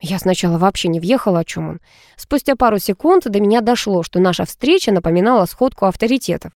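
A woman narrating a first-person story aloud, lively and expressive with ironic asides. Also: mid-range voice, fast, dry recording, studio quality. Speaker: audiobook narrator.

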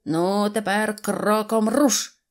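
A woman voicing a brisk, bossy little male mechanic in a storybook, giving loud marching commands. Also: medium pitch, close to an everyday voice. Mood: commanding.

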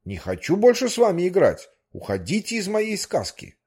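A man's voice: mid-range voice, lively intonation, moderate pace, a little mellow, natural voice. A man doing a huffy, giant fairy-tale whale. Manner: peevish, huffy. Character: huge grumpy male whale, fairy-tale monster.

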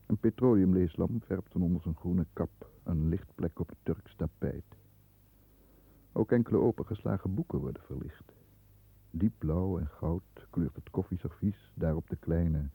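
An actor playing a stern, disdainful middle-aged lawyer who narrates his own thoughts in a measured way in a 1960s radio drama, heard on a muffled old recording. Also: deep voice, gravelly, breathy edge, dry recording, full character voice. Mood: measured, brooding. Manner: measured, introspective first-person narration.

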